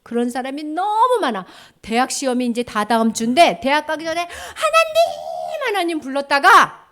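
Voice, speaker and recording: Lively woman giving a children's sermon. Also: high voice, a little fast. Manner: lively, acts out cries and prayers, drops to a whisper.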